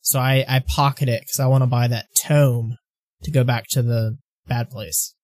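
A man's voice: mid-range voice, fairly even intonation, normal speed, a little mellow, no echo. Crude joking male player, dry sound. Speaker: tabletop game player. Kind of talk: casual chat.

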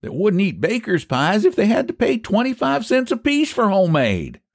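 A man's voice: high voice, huge pitch swings, normal speed, vocal fry, no echo, clean studio sound, voice pushed up, full character voice. A man voicing an earnest, homespun rural American pie baker, a storybook character who is easily won over. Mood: doubtful.

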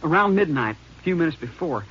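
Fairly high male actor as nervous small-town youth, American, halting, pleading, 1950s radio drama, faint noise. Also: animated, close to an everyday voice. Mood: anxious confessing. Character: nervous, hesitant young small-town man under questioning. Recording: muffled, slightly noisy old radio recording.

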